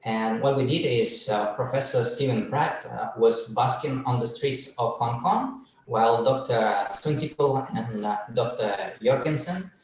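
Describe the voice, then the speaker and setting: A man from Russia giving an academic webinar presentation on research, speaking in a measured way with many pauses. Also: mid-range voice. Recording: echoey room, far from mic.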